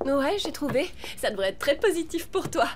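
A woman's voice: high voice, sing-song, moderate pace, slight background noise. An actress dubbing an anxious young woman who manages a star, talking in a worried, scolding way. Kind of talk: French dub of a TV film.

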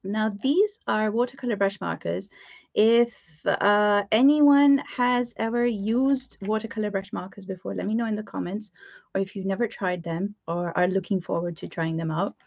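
A woman's voice: medium pitch, moderate pace, gravelly, a little mellow, no echo. Bubbly Pakistani-accented woman on a dry webcam. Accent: Pakistani English. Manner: bubbly, greets viewers, frequent laughs and fillers. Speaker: art teacher hosting a live stream. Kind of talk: chatty live-stream craft class. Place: home craft studio with shelves. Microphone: webcam at desk. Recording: dry, slightly dull webcam audio.

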